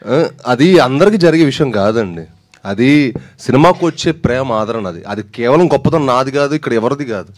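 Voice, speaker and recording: A man's voice: medium pitch, animated, a little hiss or hum. A man, a film producer, answering reporters at a press meet, adding "sir" to nearly every sentence. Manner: rapid, says "sir" often.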